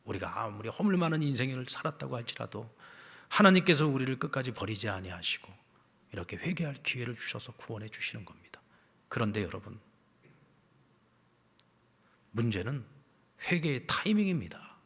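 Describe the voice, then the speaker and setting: A male pastor preaches in a church, his voice at a middle pitch. He tells a story, dropping to hushed whispers and rising to loud, emphatic lines. A long reverb trails each phrase. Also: sing-song, fairly quick, vocal fry, breathy edge. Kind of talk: sermon. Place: church sanctuary.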